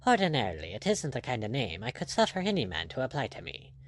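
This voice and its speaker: A man's voice: mid-range voice, wildly swooping pitch, quick pace. A man voicing a gallant, ironic pirate captain in an audiobook, teasing and courtly in manner. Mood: wry, cool.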